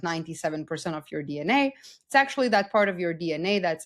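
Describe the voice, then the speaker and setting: On a very clean recording with a silent background, a woman with a Lithuanian accent talks very fast. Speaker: psychology-trained wellness and money expert. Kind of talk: podcast interview.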